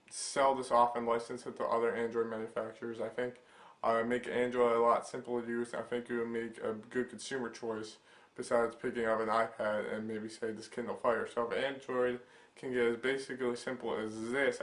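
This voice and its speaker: A man's voice: mid-range voice, fairly bright tone, roomy sound. A young man hosting a casual tech vlog, stuffy from a cold, rambling with many hesitations as he gives his opinions. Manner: rambling, filler-heavy, hesitant. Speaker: tech channel host. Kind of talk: casual product overview vlog.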